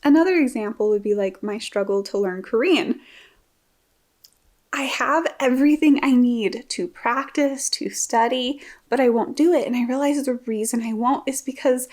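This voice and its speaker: A woman's voice: fairly high pitch, moderate pace, a little mellow. A young woman vlogging casually, chatty and self-deprecating, often laughing at herself. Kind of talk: casual vlog talk.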